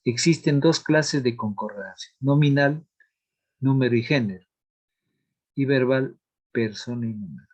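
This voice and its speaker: A man teaching a grammar lesson, explaining rules slowly and deliberately, reading out examples and checking in with the class. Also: medium pitch, a little mellow. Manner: asks checking questions of the class.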